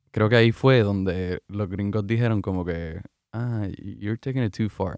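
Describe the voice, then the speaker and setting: In a quiet background, a man with fairly low pitch talks at a moderate pace in an unremarkable speaking voice. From Puerto Rico, Yauco (south). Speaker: podcast co-host. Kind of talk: casual chat.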